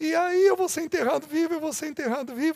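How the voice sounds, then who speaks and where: Recorded very cleanly over a silent background, a man's voice moves through very wide pitch swings. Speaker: preacher. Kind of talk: sermon.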